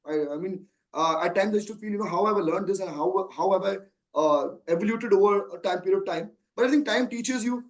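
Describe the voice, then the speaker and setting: A man's voice: sits high, a little fast, few pauses. An Indian-accented man in his thirties, a company chief executive answering questions on an earnings call at length, emphatically, with rhetorical questions.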